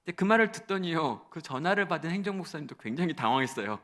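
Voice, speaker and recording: Middle-aged guy pastor preaching, high voice, goes from soft story to loud pleading. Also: lively intonation, fast talker. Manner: swings from quiet storytelling to loud impassioned pleading. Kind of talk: sermon.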